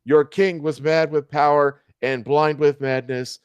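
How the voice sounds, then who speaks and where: A man's voice: on the high side, fairly even intonation, a little slow, clear, resonant tone, dry recording, highs cut off, natural voice. A man voicing a swaggering, smug and seductive heroic cartoon cat in a storybook reading. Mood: cool, lecturing.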